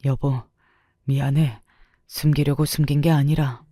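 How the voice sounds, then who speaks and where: A woman reading the part of an older husband who quietly confesses and apologizes to his wife, in a subdued tone. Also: medium pitch, flat delivery, moderate pace, dry recording, clean studio sound, close to an everyday voice. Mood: remorseful.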